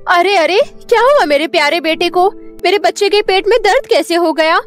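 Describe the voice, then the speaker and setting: A woman's voice: very high-pitched, normal speed, soft background music. A woman voicing a nagging, scornful stepmother in a cartoon story. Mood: scolding. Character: scolding mean stepmother, middle-aged woman. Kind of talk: cartoon voice acting.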